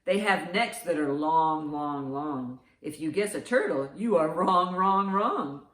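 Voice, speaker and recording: Low-pitched and a bit bright, this woman speaks in an animated way but takes her time. As a storytime host she reads aloud and sets riddles for young kids, reacting with exaggerated enthusiasm. The recording sounds roomy and echoing.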